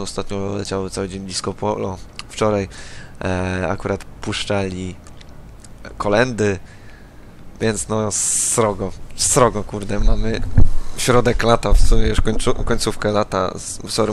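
A man's voice: on the low side, level tone, moderate pace, slight background noise. A young man with a Polish accent giving sarcastic, profane let's-play commentary as he plays a game. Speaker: gaming YouTuber.

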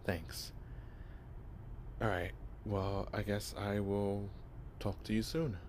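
A bashful young vampire stumbles over his words, deep-voiced and unhurried as he fumbles through a cover story, played by a young man. The delivery is awkward and hesitant, full of nervous restarts. A faint hiss sits under the ASMR audio. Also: little pitch movement. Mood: flustered, awkward. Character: shy, clueless young male vampire posing as human. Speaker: voice actor.

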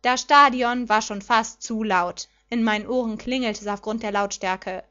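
A woman reading a fan fiction story aloud in a lively first-person voice. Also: fairly high pitch, normal speed, muffled recording. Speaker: audiobook reader.

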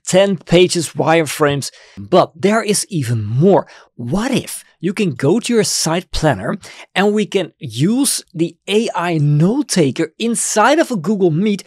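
A man in his thirties whose first language is Dutch, hosting a screen-recorded software tutorial with lively enthusiasm, on a studio microphone in a home studio. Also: slightly rough, no room sound. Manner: enthusiastic, quick swings between excited highs and low asides. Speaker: web design tutorial host. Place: home studio room with colored lights. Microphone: studio mic on stand in front.

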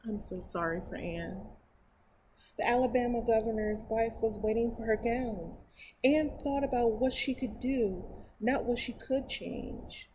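A middle-aged American storytime reader at a library, her voice fairly high and unhurried, reads a picture book to children with expressive excitement and chatty asides. She stands indoors before a painted mural. The recording is low quality, with steady background noise clearly present.

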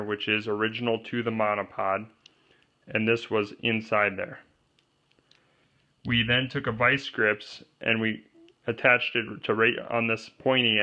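A man's voice: lowish voice, muffled recording. A man walking through a homemade camera pole build step by step, in a plainspoken way, pointing out each part. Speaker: DIY kayak gear presenter. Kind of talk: hands-on how-to walkthrough. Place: indoors at a wooden table. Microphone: off-camera voice over overhead shot of hands.

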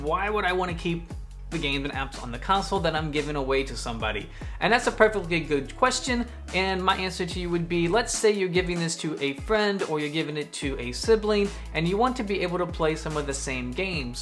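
Upbeat man hosting a gaming tutorial. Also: fairly high pitch. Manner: friendly, energetic, addresses viewers directly. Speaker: gaming tech YouTuber host. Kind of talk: upbeat tutorial vlog to camera. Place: home room with a TV and a lamp, indoors. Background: faint background music.

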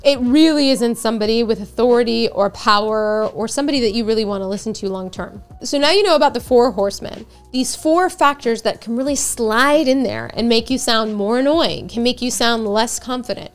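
A woman coaching viewers on speaking on camera, chatty and enthusiastic, with a natural touch of vocal fry. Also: fairly high pitch, a little fast, hardly any pauses, faint music behind. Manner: chatty and enthusiastic, gushing asides. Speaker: video presence coach. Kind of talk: casual teaching to camera.

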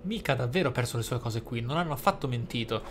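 A man gives roleplay-style commentary on a video game. His voice is medium in pitch, his wording wry and slightly formal. Game sound is clearly present behind him. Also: animated, fast, background noise. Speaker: gaming video host.

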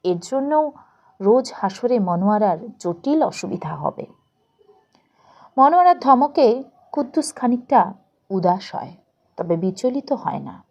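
A woman reading a literary story as an expressive audiobook narrator. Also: mid-range voice, unhurried, long pauses, highs cut off.

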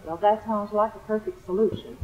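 A tinny, narrow-band 1950s radio recording of an American woman interviewing. Her voice is mid-pitched, and she speaks politely with halting, hesitant phrasing. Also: fairly even intonation. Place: convention hall radio interview.

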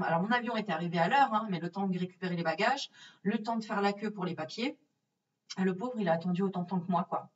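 Chatty French woman telling a travel story. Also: lowish voice. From France. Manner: chatty, lively, many fillers and acted-out asides. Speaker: vlogger. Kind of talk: casual storytelling. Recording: distant, dull lo-fi sound.

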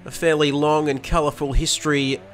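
This is a man calling an online race, chatty and full of fillers. His voice is hoarse and fading after the flu, and it sits slightly high. A faint hiss of noise sits under him. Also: a little fast. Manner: excitable, chatty, many fillers. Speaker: race commentator. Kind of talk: sim racing stream commentary.

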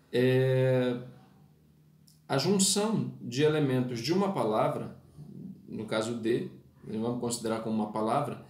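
A man's voice: mid-range voice, roomy sound. A man teaching a poetry lesson, explaining verse meter in a didactic way and speaking formally to his listeners. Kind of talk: spoken lesson with sung verses.

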